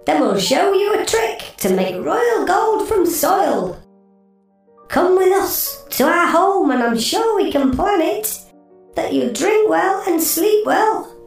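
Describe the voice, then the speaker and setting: A man voicing a group of little red robots in a children's storybook, in a very high creaky voice. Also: very animated, slow, very echoey, recorded from a distance, faint music behind, exaggerated voice. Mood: scheming. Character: sad but cheeky red robots, high-pitched. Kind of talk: storybook reading.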